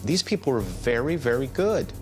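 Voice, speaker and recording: A man's voice: medium pitch, sing-song, moderate pace, darkish tone, faint music behind. A man being interviewed, a former intelligence officer recalling events in a plain-spoken way with occasional fillers. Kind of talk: interview recollection.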